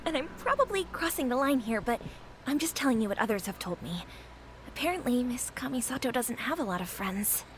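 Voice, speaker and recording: A chatty restaurant keeper. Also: female voice, a little high, sing-song, fairly quick, a little hiss or hum. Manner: chatty, confiding, gossipy. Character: friendly woman restaurant keeper, chatty and warm-hearted. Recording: game audio with music behind.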